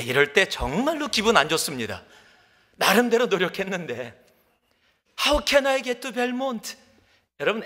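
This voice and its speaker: Lively high-voiced Korean pastor preaching. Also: male voice, long reverb tail. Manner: animated storytelling, acts out dialogue, drops to whispers. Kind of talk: sermon. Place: church sanctuary.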